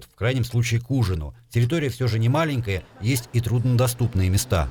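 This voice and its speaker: At a fairly quick pace, a man speaks in a somewhat breathy voice of medium pitch with ordinary pitch variation. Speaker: TV reporter. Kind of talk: TV news report narration.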